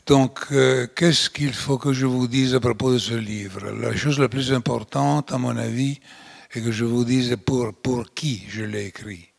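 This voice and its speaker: A man's voice: mid-range voice, fairly even intonation, a little slow, creaky, dry recording, studio quality. An older man from Italy speaking French with an Italian accent, giving a lecture with many fillers and restarts. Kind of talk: closing lecture.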